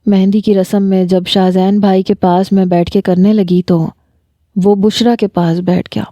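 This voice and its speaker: Woman reading a romance story in first person, soft and emotional, mellow warm voice, dry close mic. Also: medium pitch, flat delivery, no echo. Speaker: narrator. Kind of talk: scripted narration of a romance story.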